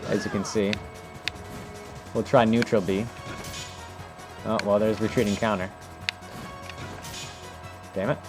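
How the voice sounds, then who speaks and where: A man with a fairly low voice talks through gameplay casually, thinking aloud as he goes. His delivery is informal and unscripted, and music plays clearly behind him. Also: flat delivery, slow pace, long pauses. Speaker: host of a video game technique demonstration.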